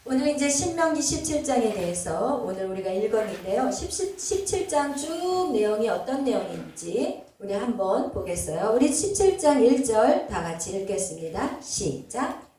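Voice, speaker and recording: A woman pastor teaching a Bible passage to her congregation, explaining as she goes with frequent pauses and fillers. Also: fairly high pitch, big pitch swings, warm tone. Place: church sanctuary. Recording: very echoey hall, voice from far off.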